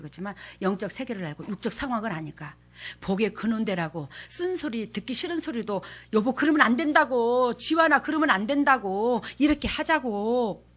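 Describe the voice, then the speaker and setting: A middle-aged woman preaches a sermon in a bright, ringing voice. She moves between storytelling and emphatic exhortation, throwing questions out to her listeners. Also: fairly high pitch.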